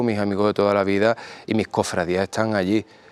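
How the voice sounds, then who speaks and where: Here a man speaks with an Andalusian accent. His pitch is fairly low. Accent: Andalusian (Vélez-Málaga), kept. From Andalusia, Spain (Vélez-Málaga). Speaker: painter and illustrator. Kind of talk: interview. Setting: TV studio. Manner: halting, many fillers and repeats.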